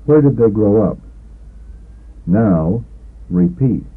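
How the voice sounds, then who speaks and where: A man leading scripted substitution drills as a language course narrator, in a deliberate, instructional manner. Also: on the low side, lively intonation, slightly rough. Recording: narrow, phone-like old lesson tape.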